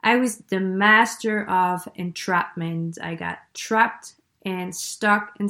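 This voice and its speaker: A woman with a German accent speaks at a medium pitch in a bright, sharp tone with monotone, flat intonation, on a very clean recording with a silent background. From East Germany. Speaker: podcast host, business mentor. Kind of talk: podcast trailer monologue.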